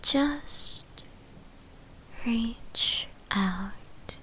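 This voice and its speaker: Very slow whispering shadow demon played by a woman. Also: on the high side, pushed and bright, full character voice. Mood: yearning, flirty. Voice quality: breathy, almost entirely whispered. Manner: halting, lingering pauses, intimate and coaxing. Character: flirty, possessive female shadow demon, shy yet obsessive. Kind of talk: whispered ASMR roleplay for sleep.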